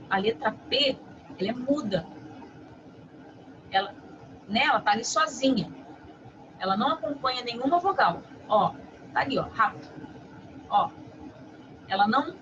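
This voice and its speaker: A woman teacher giving a review lesson, explaining step by step in a didactic way and often checking in with quick tag questions. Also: on the high side. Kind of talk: online lesson. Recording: muffled with steady background noise.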